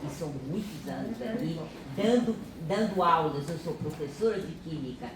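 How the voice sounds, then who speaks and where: A woman's voice: deep voice, animated, moderate pace, crowd noise. An older woman from Pará with a Pará accent, speaking earnestly in a group meeting and repeating herself for emphasis. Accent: Pará Brazilian Portuguese. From Pará, Brazil. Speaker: reading circle participant. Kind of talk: casual remarks in a group meeting. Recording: echoey room from far off, noisy.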